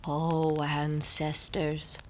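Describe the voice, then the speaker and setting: A stern old storyteller leads a ritual in an audio drama, voiced by a woman. Her voice sits low and moves slowly and solemnly, with a faint hum of ambience behind it. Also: monotone, a little mellow. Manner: slow, solemn, measured. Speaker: narrator and ritual leader.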